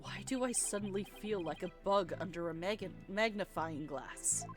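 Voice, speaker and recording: A woman's voice: mid-range voice, normal speed. A woman hosting a let's play, reading video game dialogue aloud and chatting casually. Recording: game music behind. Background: video game music.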